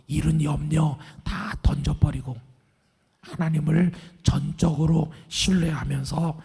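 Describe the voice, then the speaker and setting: A middle-aged male pastor preaching a sermon in a hoarse, raspy, half-whispered voice after vocal cord surgery, calm and earnest. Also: fairly high pitch. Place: large church sanctuary. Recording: long church hall reverb.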